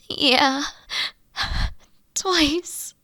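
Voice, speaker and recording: Tender, teasing young queen woman acting, mature beyond her years, very unhurried delivery, intimate dry sound, roleplay audio. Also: sits high, no room sound, heavily acted. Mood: tearful, grieving. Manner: slow, soft-spoken, drifting into breathy whispers. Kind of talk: scripted roleplay audio drama, intimate one-on-one.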